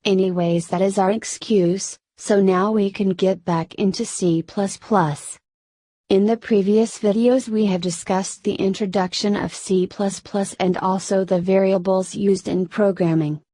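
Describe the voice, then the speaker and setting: A woman narrating a programming tutorial in a flat, synthetic-sounding scripted delivery. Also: mid-range voice, a little slow, no echo.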